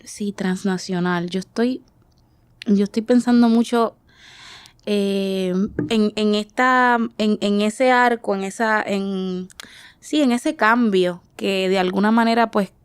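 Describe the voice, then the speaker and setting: A woman in her forties, born in the Dominican Republic, speaks as an artist guest. Her voice is smooth and clear, recorded dry and close. She pauses and restarts as she reaches for ideas. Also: medium pitch, steady tone, no room sound. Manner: thoughtful, searching for words, frequent restarts. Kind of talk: reflective interview answers.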